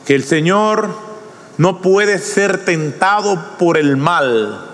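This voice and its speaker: A man preaching a sermon with impassioned fervor, his delivery swelling into shouted pleas. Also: high-pitched. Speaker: pastor. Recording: long reverb of a large hall.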